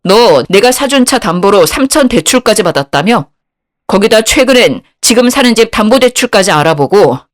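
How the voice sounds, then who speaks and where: A woman's voice: mid-range voice, expressive, moderate pace, close to an everyday voice. A woman voicing a betrayed husband who scolds his wife bitterly. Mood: bitter anger. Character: angry betrayed husband, a young man.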